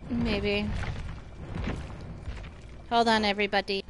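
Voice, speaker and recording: Slow-talking woman streamer chatting. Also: medium pitch, little pitch movement, music in the background. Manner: easygoing, chatty, thanks viewers by name. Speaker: livestream gamer. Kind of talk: casual live-stream chat.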